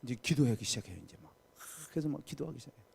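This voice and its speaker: A man's voice: medium pitch, lively intonation, very fast, vocal fry, darkish tone, breathy edge. A man preaching a sermon as pastor at a midweek prayer service, talking emphatically and putting questions to the congregation.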